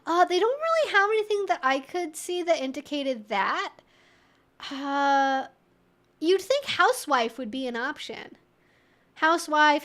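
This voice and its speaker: A woman's voice: sits high, fairly bright tone. A woman hosting a live Q&A stream, thinking aloud in an informal, chatty, wry and opinionated way.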